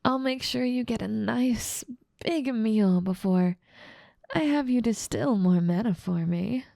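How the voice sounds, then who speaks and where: Woman playing a gravelly, dark-toned, domineering witch. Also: fairly high pitch, takes it slowly, no echo, clean studio sound. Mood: doting. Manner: silky, doting, gloating. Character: evil, controlling, possessive adult female witch. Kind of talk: ASMR roleplay audio drama.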